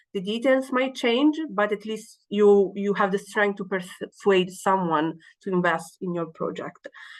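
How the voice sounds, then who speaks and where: Ordinary pitch variation and a moderate pace from a woman at medium pitch. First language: not English. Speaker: early-career researcher. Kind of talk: webinar presentation. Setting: online webinar. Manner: halting, many fillers.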